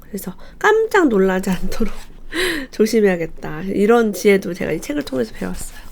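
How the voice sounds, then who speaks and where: A woman hosting a book channel, reading passages from a parenting book aloud and commenting on them, telling the anecdotes in a lively way. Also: medium pitch, normal speed, vocal fry, a little hiss or hum. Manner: lively storyteller who acts out quoted lines.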